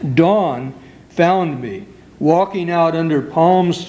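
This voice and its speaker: His pace is very slow. The man's pitch shifts in an ordinary way. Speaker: poet and professor; poet, professor. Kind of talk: poetry reading. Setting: stage with audience. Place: hall. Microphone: podium.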